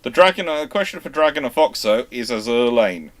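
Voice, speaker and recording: A male livestream host with a mid-pitched voice talks casually through listener questions. He explains like an animated storyteller, posing questions and then answering them himself. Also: fairly quick. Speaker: host of a naval history livestream.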